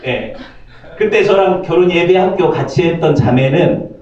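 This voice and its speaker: A man's voice: on the high side, animated, moderate pace, darkish tone. A man preaching a sermon as pastor, joking and asking his congregation questions. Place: church sanctuary. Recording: distant, echoey, slightly dull church audio.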